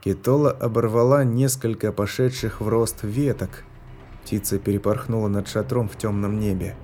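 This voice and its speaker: A man giving scripted narration of a dark fantasy story in a measured, tense manner. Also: on the low side, steady tone, slight background noise. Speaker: audiobook narrator.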